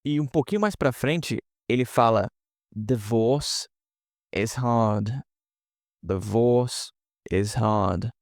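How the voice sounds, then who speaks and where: A man's voice: medium pitch, takes it slowly, long pauses, dry recording, studio quality. A man teaching English pronunciation in a casual online lesson, explaining step by step and often checking in with students.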